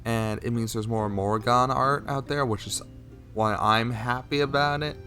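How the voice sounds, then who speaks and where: A man co-hosting a casual chat, going through a list of games in a relaxed, offhand way with filler words. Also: mid-range voice, moderate pace, soft background music. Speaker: co-host. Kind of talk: casual chat, game news rundown.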